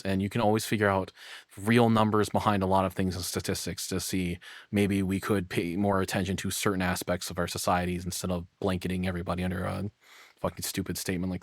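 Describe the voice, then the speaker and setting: A man giving casual live reaction commentary as a streamer, rambling and excitable, with casual swearing. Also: low-pitched, brisk, dry recording.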